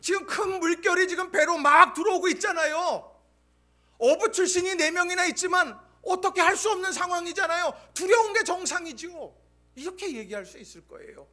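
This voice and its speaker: A man preaching in a church sanctuary, his voice pitched unusually high and ringing bright. He moves from loud, emphatic proclamations to near-whispered asides as he builds his sermon. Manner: preaches with dramatic swings between loud proclamations and hushed asides. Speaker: pastor.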